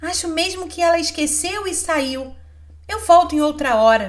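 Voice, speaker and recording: A woman's squeaky, put-on character voice at an extremely high pitch, with ordinary pitch variation, a moderate pace and light background noise. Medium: read story. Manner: hesitant.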